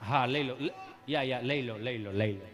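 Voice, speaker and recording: A man telling folk comic stories, chatty and animated, switching quickly between characters. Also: mid-range voice, soft background music. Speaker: comedian, storyteller.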